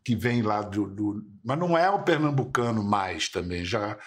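A man's voice: on the low side, animated, moderate pace, a bit bright. A male interviewer who asks engaged, affirming questions.

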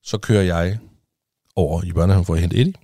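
A man's voice: deep voice, warm tone, no room sound, studio quality. A man with a Danish accent, a father talking as a podcast guest in casual chat, rambling with many restarts and fillers.

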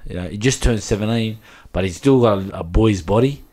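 A man's voice: lowish voice, brisk, warm tone. A middle-aged man with an Aboriginal Australian accent, chatting casually in loose slang and often repeating himself. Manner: slangy, repeats himself, says "bro" and "you know". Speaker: interview guest. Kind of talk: casual chat.

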